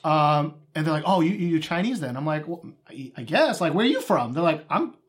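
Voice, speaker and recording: A young man from Texas chatting casually as a co-host, animated and swearing freely, with quick asides. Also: on the high side. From Texas, USA. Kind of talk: casual chat.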